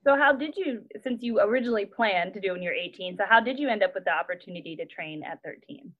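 A woman interviewer asking casual questions in an eager, expressive way, laughing along with her guest. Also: mid-range voice, fast talker. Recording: tinny phone-like line.

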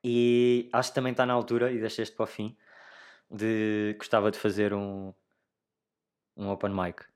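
A man's voice: lowish voice, level tone, moderate pace. Casual young man with a European Portuguese accent. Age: young adult. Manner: informal and slangy, addressing listeners directly. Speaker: podcast host. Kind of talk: casual solo podcast chat.

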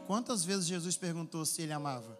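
A man preaching a sermon in pauses for an interpreter, swinging from quiet storytelling to shouted, half-sung calls. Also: on the high side, lively intonation. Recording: music under a long-echo church hall.

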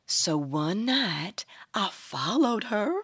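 A woman's voice: mid-range voice, very animated, slow pace, a bit bright, husky, no room sound, clean studio sound, heavily acted. A woman playing a gossipy, sugary hotel operator with a drawling Southern US accent in an old-time radio comedy. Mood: sweetly gossipy. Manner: drawling, coy, theatrical.

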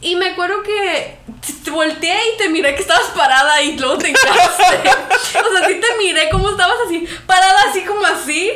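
A woman, co-hosting a podcast in casual chat, telling stories with animated voice mimicry and frequent laughter. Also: very high-pitched, fairly quick, roomy sound, heavy background noise. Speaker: podcast co-host.

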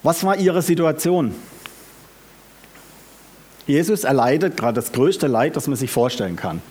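A man preaching a sermon, often asking the congregation questions and speaking with lively emphasis. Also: fairly high pitch, unhurried.

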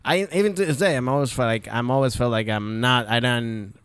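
A man's voice: mid-range voice, fairly quick, clear, resonant tone, dry recording. A man from Venezuela with a Venezuelan Spanish accent, a comedian co-hosting a casual podcast chat and rambling with many restarts.

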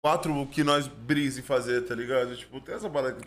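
A man's voice: mid-range voice, steady tone, fairly quick, a bit bright. A young man with a Brazilian Portuguese accent chatting casually as a podcast co-host, full of slang and conversational tags. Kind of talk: casual chat.

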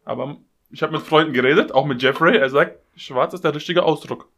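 A man's voice: on the high side, fairly quick, fairly bright tone. A man telling stories casually in street slang, as a podcast guest. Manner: German street slang, peppered with Digga and Bruder.

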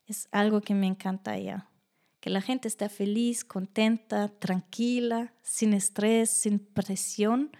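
A young German woman speaks Spanish with a clear German accent, relaxed and conversational as an interview guest. She tells anecdotes and jumps up in pitch when she mimics other people. Her voice sits in a middle register for a woman. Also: slow pace. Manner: animated, acts out quoted voices with high pitch jumps. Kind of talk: casual interview storytelling.

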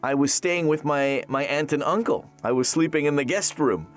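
Canadian-raised voice actor guy rambling in an interview, lotsa uh and you know, quiet music underneath. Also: a little high, normal speed. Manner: rambling, many restarts and fillers. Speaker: voice actor guest. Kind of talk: casual interview chat.

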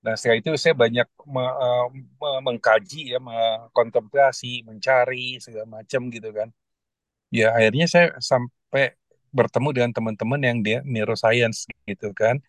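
A man's voice: mid-range voice, fairly even intonation, moderate pace, dry recording. A man, speaking as a guest on a panel, hesitant and full of restarts. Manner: hesitant, many fillers and restarts. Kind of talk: casual panel discussion.

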